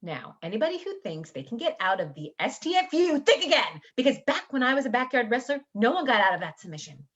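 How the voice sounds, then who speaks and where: Woman playing a cocky lo-fi wrestler, lively pitch. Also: fast, few pauses. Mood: boastful. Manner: boastful, taunting. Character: cocky trash-talking English pro wrestler. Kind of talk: staged reading of wrestling promos. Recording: dull lo-fi audio.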